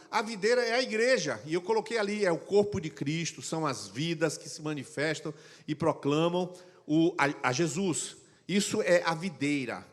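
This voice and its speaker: A male pastor preaches in a church auditorium, his slightly high voice carrying a long hall reverb. He tells stories with animated energy, slipping into the voices of the people he quotes. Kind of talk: sermon.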